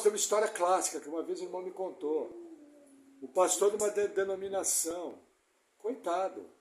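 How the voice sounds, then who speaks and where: A man preaching a sermon as pastor, emphatic, putting rhetorical questions to the congregation and swinging between loud stresses and quiet asides. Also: high voice, a little hiss or hum. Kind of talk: expository sermon.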